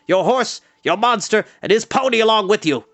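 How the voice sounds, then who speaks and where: A man's voice: sits high, expressive, moderate pace, a bit bright, no room sound, voice pushed up. A man voicing a proud, furious warrior lord, bellowing with imperious indignation in a storybook reading. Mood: furious, indignant. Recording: music behind the voice.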